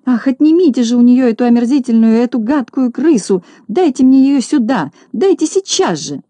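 A woman's voice: a little high, lively intonation, unhurried, warm tone, dry recording, voice pushed up. A woman voicing a fussy, hysterical rich lady in a storybook reading, shrieking and scolding. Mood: shrieking disgust. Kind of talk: audiobook character voice.

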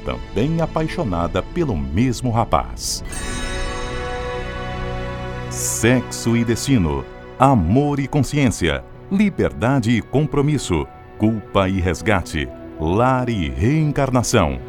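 A man's voice: lowish voice, very animated, takes it slowly. A man reading a formal, declamatory radio drama announcement. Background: music.

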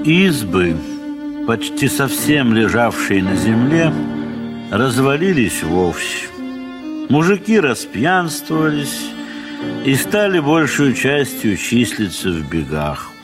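A man narrating a literary audio play in an expressive, measured theatrical manner with deliberate pauses. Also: mid-range voice, over music. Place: recording studio.

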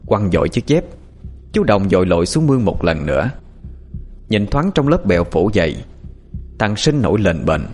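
A man narrating a dramatic story in an expressive storytelling style. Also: low-pitched, moderate pace, husky. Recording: faint background music.

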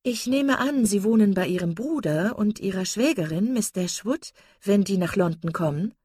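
A woman's voice: mid-range voice, expressive, moderate pace, dark tone, husky, no echo, studio quality, pitched above the performer's own voice. A woman voicing a young woman who gushes with false sweetness and sly digs.

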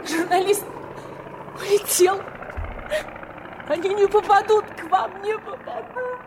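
A woman's voice: very high-pitched, slow pace, noisy background. An actress playing a stubborn, distraught young woman in an audio drama, pleading and insistent with her lover.

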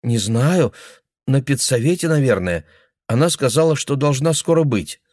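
Male narrator voicing a terrified young woman begging, pitched high, dry close mic. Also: lively intonation, moderate pace, a little mellow, no echo, close to an everyday voice. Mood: nervous. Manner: pleading, frightened. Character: frightened young woman lodger.

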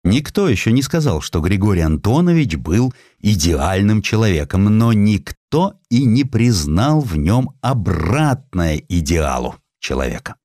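A male audiobook narrator with a fairly low voice reads in a dramatic, emphatic way. His pitch moves widely as he shapes the literary storytelling. The recording is dry and close, with no room to it. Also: sing-song, unhurried, few pauses, a little mellow, no room sound. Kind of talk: expressive scripted literary narration.

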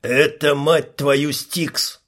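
A male reader voicing a gruff squad commander who barks orders and swears. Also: on the high side, flat delivery, extremely slow, a bit bright, heavily acted. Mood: stern.

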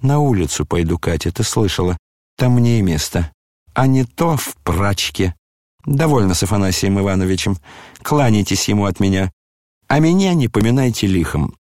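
A man's voice: on the low side, expressive, normal speed, a little mellow, no echo, clean studio sound, close to an everyday voice. A man reading the lines of a proud, scornful young woman in an audiobook, commanding and defiant. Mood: bitter.

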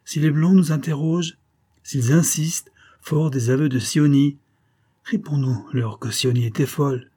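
A man's voice: on the high side, normal speed, warm tone, breathy edge, voice pushed up. A man voicing a firm tribal chief. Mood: resolute. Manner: firm, commanding. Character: resolute male tribal chief.

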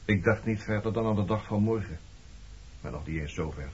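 A man's voice: fairly low pitch, fairly quick, a little mellow, husky. An actor playing a reserved, evasive former resistance man in a Dutch radio play, talking in a guarded way. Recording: muffled, noisy old radio recording.

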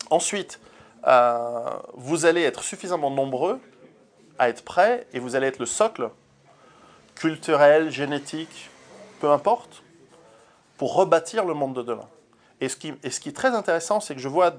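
A man, an author, answering interview questions in an earnest, forthright way, with many fillers and repeated words. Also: mid-range voice.

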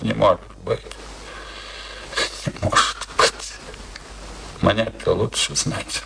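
An actor in a radio play playing an older, embittered husband who grumbles and philosophizes in a brooding, theatrical way. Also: male voice, on the low side, slow, gravelly, background noise, exaggerated voice. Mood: defensive.

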